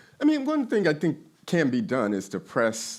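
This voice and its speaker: A man's voice with vocal fry, on a very clean recording over a silent background. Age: 60s. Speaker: history professor. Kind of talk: lecture Q&A. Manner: conversational, frequent fillers.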